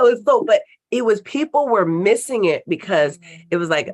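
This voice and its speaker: A loud, animated woman's voice with very wide pitch swings. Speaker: prophetess and deliverance minister. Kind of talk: casual chat.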